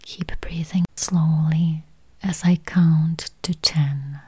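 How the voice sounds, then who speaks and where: Slow whispering woman meditation guide. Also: sits low, fairly even intonation, slightly rough. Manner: slow, soft, repetitive counting.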